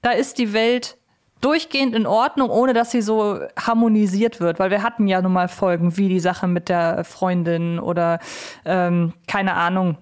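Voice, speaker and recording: Woman podcast host chatting with a guest, normal mid pitch, interview style. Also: fairly even intonation, normal speed, a little mellow.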